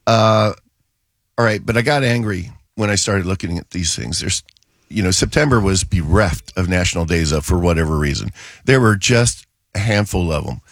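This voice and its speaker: A man's voice: sits low, moderate pace, no room sound. A man hosting a casual radio garden show while he has a cold, chatty and a little wry. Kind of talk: casual talk radio chat. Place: radio studio.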